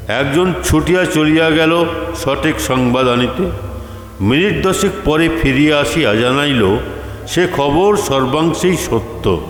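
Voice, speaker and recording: A man reading a literary story as scripted narration. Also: on the high side. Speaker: story reader. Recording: echoey hall reverb, faint music. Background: faint background music.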